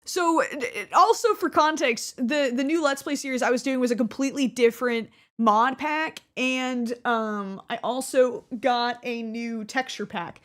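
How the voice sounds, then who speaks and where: Twenties woman, high voice, chatty YouTuber, lots of restarts and laughs. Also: a little slow, hardly any pauses. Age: 20s. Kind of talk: casual commentary over her old gameplay video.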